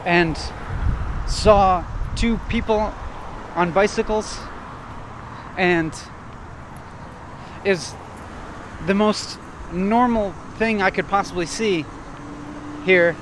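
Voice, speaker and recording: High-voiced man musing aloud outdoors. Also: very slow, pauses often, background noise. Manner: self-observing, thinks aloud in short broken phrases; loud, assertive, almost shouting at times. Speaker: vlogger. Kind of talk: reflective walking monologue. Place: outdoors on a street while walking.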